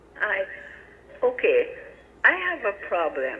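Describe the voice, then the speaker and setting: Against noticeable background noise, the words come at a very slow pace. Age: 80s+. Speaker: caller. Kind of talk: call-in health question. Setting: phone call. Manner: sounds younger than age.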